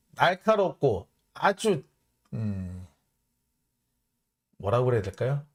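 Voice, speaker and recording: A man hosting a political commentary show, reading out foreign news and mocking it in an animated way. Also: on the high side. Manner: animated, mocking, acts out blunt quotes. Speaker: host of a political commentary channel.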